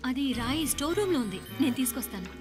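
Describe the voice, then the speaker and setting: An actress playing an anxious young wife who calls out urgently, in a film drama. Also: female voice, high-pitched, very animated, racing, over music. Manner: urgent, calling out.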